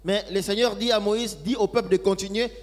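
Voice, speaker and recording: Male sermon interpreter, fairly high voice, follows phrase by phrase, echoey hall. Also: steady tone, brisk. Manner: follows each phrase closely, with occasional hesitations.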